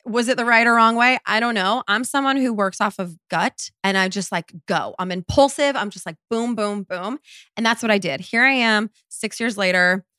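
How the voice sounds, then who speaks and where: A woman in her thirties hosts a casual solo podcast and answers listener questions. She talks bluntly and swears freely, her voice bright and forward. It is recorded dry and close, with no room sound at all. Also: mid-range voice, no echo. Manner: blunt and profane, quick bursts with emphatic repeats. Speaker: podcast host.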